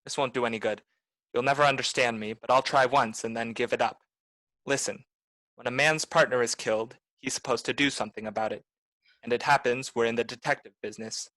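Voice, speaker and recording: A man's voice: mid-range voice, steady tone, fairly quick, bright, forceful tone, no room sound, natural voice, low-quality recording. A man playing a cynical, blunt private detective in the manner of 1940s noir radio drama. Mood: bitter, resolute. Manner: blunt, accusing, tough. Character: hard-boiled, cynical male private detective.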